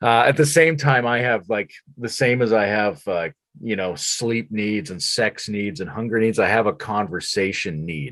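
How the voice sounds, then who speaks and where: With a Canadian accent and a normal speaking voice, a man talks at a moderate pace. He is fairly low in pitch with lively intonation. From British Columbia, Canada. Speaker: podcast host and former meditation teacher. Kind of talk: casual chat.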